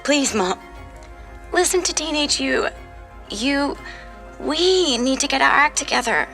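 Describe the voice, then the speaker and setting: A woman's voice: sits high, animated, a little slow, pushed and bright, soft background music, full character voice. A woman voice actor playing a pleading, affectionate teenage daughter in a podcast drama. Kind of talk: fiction podcast voice acting.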